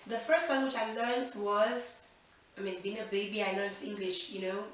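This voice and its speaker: A woman's voice: medium pitch, steady tone, moderate pace, very echoey, distant mic, low-quality recording. A woman in her twenties from Nigeria hosting a casual Q&A vlog, chatty and upbeat, thinking aloud with fillers. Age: 20s. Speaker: channel host.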